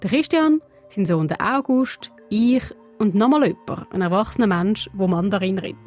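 A woman whose first language is Portuguese, narrating a radio feature in a lively storytelling manner. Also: medium pitch, moderate pace, faint music behind. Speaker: radio reporter and presenter. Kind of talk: scripted narration with reportage.

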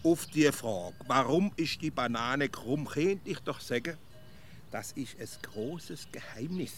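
A man's voice: medium pitch, expressive, slow pace, faint music behind. An actor with a Swiss accent playing a stubborn, pedantic man in a children's radio play, who argues and splits hairs. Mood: quibbling. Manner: argumentative, splitting hairs, playfully provocative.

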